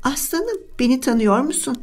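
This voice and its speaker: A woman's voice: high-pitched, big pitch swings, normal speed. A woman voicing a sly young sorceress princess who sweet-talks in a coaxing, sugary way.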